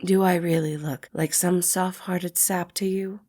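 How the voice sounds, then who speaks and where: An aloof, guarded businessman from a storybook, played by a woman. His delivery is measured and formal, dripping with dry sarcasm, in a slightly low female register. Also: steady tone, darkish tone. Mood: haughty, sarcastic. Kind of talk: acted storybook dialogue in fan fiction reading.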